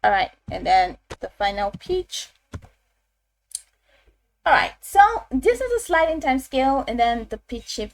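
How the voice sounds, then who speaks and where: A woman narrating a step-by-step software tutorial in an informal, instructional way, often repeating her phrases. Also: on the high side, poor audio.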